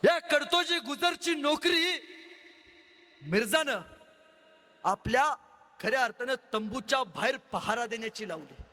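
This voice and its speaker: A man with a Marathi accent telling history as a fiery stage orator, acting out each figure as he goes. His voice is high and forceful, and it echoes through a big hall with a long reverb tail. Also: animated, a little slow, long pauses. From Maharashtra, India. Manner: impassioned storytelling, acts out each figure. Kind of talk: dramatic historical oration.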